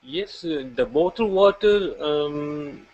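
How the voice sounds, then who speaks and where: A man from Pakistan, a student in an online class, speaking hesitantly with many fillers and reading aloud haltingly. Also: a little high, a little mellow. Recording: muffled call audio with faint hiss.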